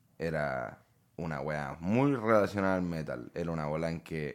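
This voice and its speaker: A man speaks at a fairly slow pace in a very deep, low voice, recorded very cleanly against a silent background. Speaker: trap musician. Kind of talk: casual chat. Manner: outgoing.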